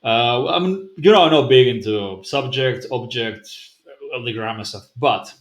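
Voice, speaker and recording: Male vlogger, loose musing delivery, mid pitch, echoey room. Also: a little slow. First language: Basque. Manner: conversational, musing, loose explanations. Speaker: language-learning vlogger. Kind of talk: casual vlog, thinking aloud to camera. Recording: roomy echoing room.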